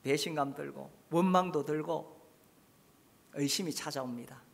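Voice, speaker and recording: A man's voice: normal speed, vocal fry, long reverb tail. A man preaching a sermon as pastor, asking his congregation questions as he goes. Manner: lively, rises and falls in pitch, asks the congregation questions.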